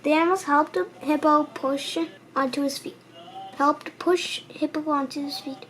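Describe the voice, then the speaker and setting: A child reading a storybook aloud as host, haltingly, with repeats and self-corrections. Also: high voice, fairly even intonation, a bit bright, low-quality recording.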